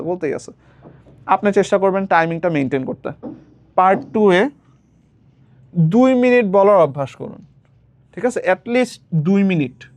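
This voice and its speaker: A young man, casually giving a speaking lesson as a tutor and slipping English phrases into his explanations. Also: fairly high pitch. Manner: mixes English phrases into his talk, repeats words while explaining.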